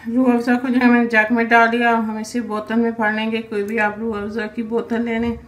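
A woman's voice: a little high, little pitch movement, fairly quick. A Pakistani woman with an Urdu accent hosting a cooking channel, walking through a recipe step by step in a homely way and leaning on the same filler phrase again and again. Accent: Urdu-speaking Pakistani. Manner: homely, repeats filler "jo hai" constantly. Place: home kitchen. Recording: echoey, distant kitchen recording with faint hiss.

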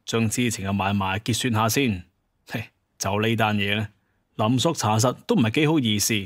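A man with a Cantonese accent narrates a scripted, dramatized adventure story. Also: lowish voice. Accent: Hong Kong or Guangdong Cantonese. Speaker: audiobook narrator.

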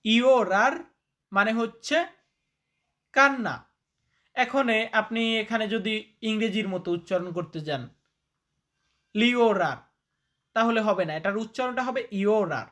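A man's voice: high-pitched, measured pace, long pauses, pushed and bright. A man teaching a spoken vocabulary lesson. He repeats each word to drill it, quizzes the listener, and addresses viewers informally as brother. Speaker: language teacher.

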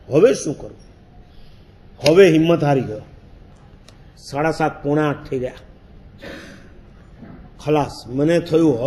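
A high-pitched man tells a story from the pulpit in lively sermon fashion. He acts out what he once said to himself, letting his voice rise and fall with the telling, and chuckles along the way. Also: slight background noise. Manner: animated storyteller, acts out his own past words, laughs. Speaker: Jain monk.

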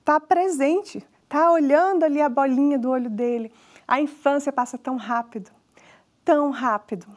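High-voiced Brazilian woman giving a talk. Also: darkish tone. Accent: Brazilian Portuguese. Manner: conversational, addresses audience directly. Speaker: parenting talk speaker; mother. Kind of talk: lecture to parents.

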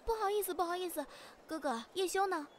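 A woman playing a sweet, teasing young little sister, gently bossy, in an amateur radio drama. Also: extremely high pitch, quick pace, slight background noise. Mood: playful.

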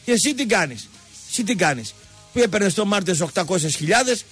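A man's voice: high voice, breathy edge, soft background music. A man hosting a radio sports show, mocking and digressive as he rambles about football. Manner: animated, mocking, digressive storyteller. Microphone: radio studio microphone.

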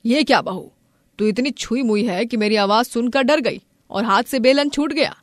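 A woman voicing a stern, sharp-tongued middle-aged mother-in-law in an animated family drama, with an Indian accent and a commanding, scolding manner. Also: a little high, moderate pace, dry recording, studio quality, close to an everyday voice.

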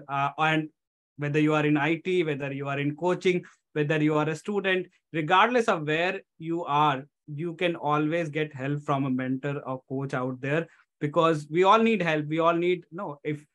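Male guest coach, 30s, Indian accent, fairly high pitch, conversational interview delivery with repeated emphatic phrases. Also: a bit bright. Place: home room on a video call. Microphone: headset.

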